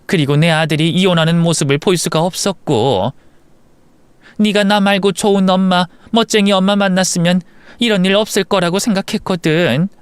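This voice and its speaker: Man voicing an elderly mother, remorseful, soft-spoken, high smooth tone. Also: normal speed, no room sound, natural voice. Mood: regretful. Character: apologetic elderly mother, gentle and regretful. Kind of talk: storybook voice acting.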